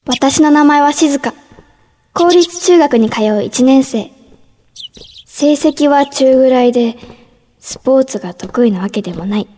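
Shy middle school girl, breathy soft voice, mellow, music under it. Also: high-pitched, lively intonation, a little slow, long pauses. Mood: withdrawn. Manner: soft inner-monologue narration, hushed at times. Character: timid withdrawn junior-high schoolgirl. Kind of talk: radio drama first-person narration.

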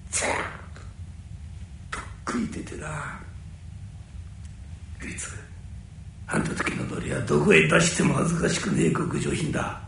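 A man playing a gruff but caring older nori wholesaler who speaks in rough downtown slang. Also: a little high, steady tone, measured pace, pauses often, fairly bright tone, a little hiss or hum, heavily acted. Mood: remorseful. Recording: very echoey room.

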